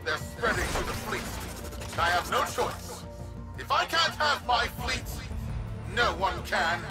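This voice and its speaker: Game villain: spiteful fleet commander, very high theatrical voice under loud music. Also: male voice, sing-song, takes it slowly, full character voice. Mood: desperate spite. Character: vindictive, smug male fleet commander villain. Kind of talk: scripted video game villain dialogue.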